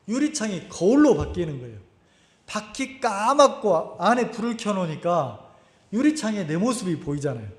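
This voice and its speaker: A male pastor preaching a sermon in a conversational way, acting out scenes and asking the congregation questions. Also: high-pitched. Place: church sanctuary. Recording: echoey church sanctuary.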